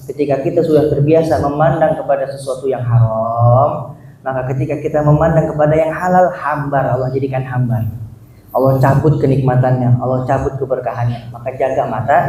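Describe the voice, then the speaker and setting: A man's voice: on the high side, warm tone, far from the mic. A man preaching an Islamic study sermon, telling a story and acting out the characters' lines. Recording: echoey hall, mic from afar, faint noise.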